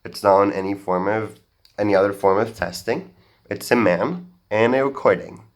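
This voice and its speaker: A young man from the Arab world with an American-sounding accent, telling a personal story in a public talk, earnest and halting with many fillers and restarts. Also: on the low side. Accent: general American. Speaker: speaker at a talk. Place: auditorium stage.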